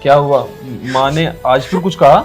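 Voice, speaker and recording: A man's voice: fairly high pitch, moderate pace, music in the background, natural voice. A man playing an earnest young husband who soothes his wife and stands up to his mother. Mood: soothing. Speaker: son and husband. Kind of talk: rural Hindi film drama.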